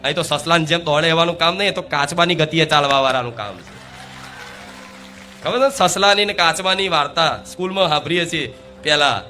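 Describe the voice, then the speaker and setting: With soft music in the background, a spiritual preacher takes on the goddess's voice for a live devotional gathering. His slightly high voice has lively intonation, a sharp tone, and a somewhat fast pace, and he quizzes the audience rhetorically, calls for responses, and repeats key words for emphasis.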